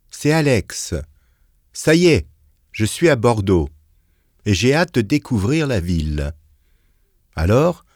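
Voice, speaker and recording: An eager young guy leaving a voicemail for a friend. His voice sits low but rises and falls with plenty of life. He speaks slowly and deliberately, and the sound is dry and close. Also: no echo, full character voice. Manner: eager, lively, clearly paced scripted delivery. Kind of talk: scripted listening-exam dialogue.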